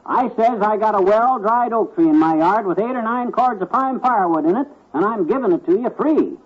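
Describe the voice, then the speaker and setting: An actor playing a blustering, grumbling middle-aged husband in a vintage radio comedy. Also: male voice, sits high, lively intonation, brisk. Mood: blustery. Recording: muffled vintage radio recording.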